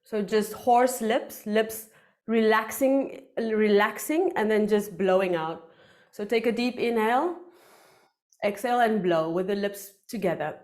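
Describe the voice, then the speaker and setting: A woman in her thirties whose first language is Afrikaans, giving an animated, playful workshop talk on public speaking into a headset mic. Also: medium pitch, measured pace. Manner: animated, gestures a lot, playful.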